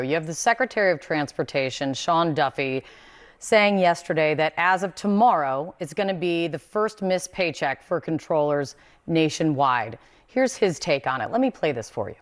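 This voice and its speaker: Lowish-voiced female news anchor. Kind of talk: live TV news interview.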